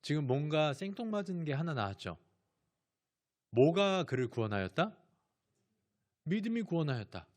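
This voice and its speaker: A man preaching a sermon in a fairly high voice, telling a story with dramatic swings between loud cries and hushed moments. He questions his listeners directly and acts out the figures he describes. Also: big pitch swings, moderate pace, pauses often. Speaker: pastor.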